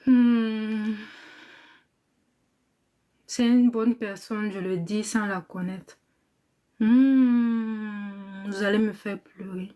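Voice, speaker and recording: A woman's voice: medium pitch, fairly even intonation, very slow, pauses often, mellow, highs cut off. A tired woman in convalescence who trains people in cosmetics business, chatting casually on a live stream, reading viewer comments aloud, thanking them and praying aloud, and repeating words often.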